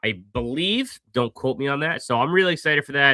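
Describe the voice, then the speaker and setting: Bright and sharp in tone, a man speaks at a fairly quick pace with ordinary pitch variation. The recording is very clean, with a silent background and a dry, close sound with no echo. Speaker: horror movie YouTuber. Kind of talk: casual live chat. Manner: many filler words, um and uh; casual, unscripted.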